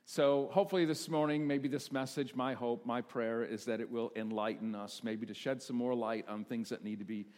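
An older man preaches to his congregation in an easy, self-deprecating way. His middle-pitched voice carries a long reverb from the church around him. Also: fairly even intonation, moderate pace, hardly any pauses, darkish tone. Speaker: pastor. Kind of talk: sermon. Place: church sanctuary.

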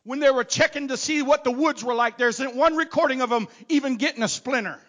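A man preaching a sermon, swinging from quiet asides to loud, shouted exhortation. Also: very high voice, a little fast. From not from Texas.

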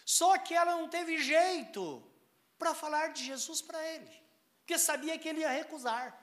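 A man preaching a sermon, emphatic, quoting scripture and swinging sharply between loud and soft. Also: expressive, moderate pace. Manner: emphatic preaching with sweeping pitch and loudness swings; quotes scripture and acts out voices in a raised tone.

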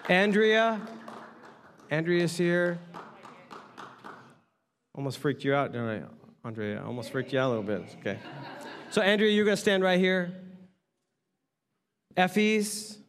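A man preaching to his congregation as pastor, talking in a casual, animated way. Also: high-pitched, measured pace, pauses often, a little hiss or hum. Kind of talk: sermon. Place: church sanctuary. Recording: long hall reverb.

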